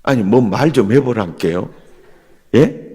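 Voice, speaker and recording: A man preaching a revival sermon as pastor, animated and asking the congregation questions. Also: medium pitch, measured pace, breathy edge. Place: church sanctuary. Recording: long hall reverb in church.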